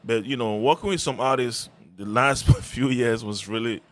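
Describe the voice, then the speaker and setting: A man's voice: medium pitch, moderate pace. A man from Cameroon, a musician guest talking in a friendly, rambling way with many fillers. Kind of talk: casual radio interview. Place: radio studio.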